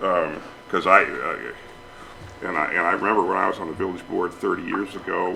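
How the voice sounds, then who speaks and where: Speaking at a fairly quick pace with an American accent, a man comes through audible room echo and noticeable background noise. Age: 60s. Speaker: zoning board chair. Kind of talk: public meeting deliberation. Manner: halting, many false starts.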